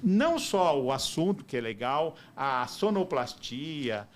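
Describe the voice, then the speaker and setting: A man's voice: on the high side, slow pace. A man with a Brazilian Portuguese accent chatting about podcasts in a bar. He talks with enthusiasm and often hunts for the right word. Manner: animated, enthusiastic, searches for words. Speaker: podcast guest, marketing professional. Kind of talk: casual chat.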